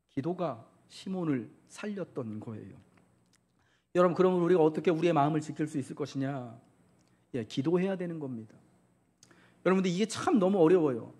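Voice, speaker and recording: A man's voice: high-pitched, warm tone. A man preaching a Sunday sermon as pastor, asking the congregation questions and acting out quotes.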